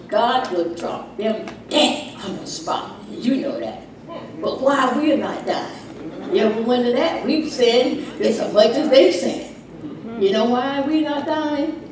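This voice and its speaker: A woman delivers a fiery doomsday sermon in a fairly high voice, exhorting and warning of judgment. She drives points home with repetition and rhetorical questions. The recording is heavily echoing, with her voice somewhat distant from the microphone. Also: background noise. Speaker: preacher. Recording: very echoey room, distant microphone.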